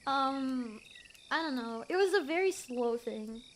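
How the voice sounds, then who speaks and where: This young woman's high voice has lively intonation and a slightly slow pace as she streams, reading chat messages casually. English isn't her first language, and she giggles and rambles with fillers over a faint hiss or hum.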